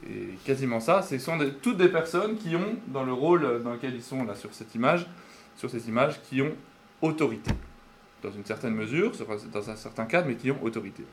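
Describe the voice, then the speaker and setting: A man's voice: medium pitch, expressive, moderate pace, slight background noise. A man giving a sermon and reading scripture aloud, speaking hesitantly with many fillers and asking his listeners questions. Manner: asks the audience questions. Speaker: preacher.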